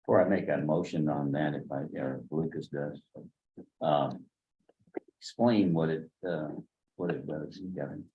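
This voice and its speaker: A man's voice: rumbling low, a little slow. A man on a county board asking questions and fumbling his words while making a motion. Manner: questioning, hesitant phrasing. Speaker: county commissioner. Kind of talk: public board meeting. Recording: tinny phone-like audio.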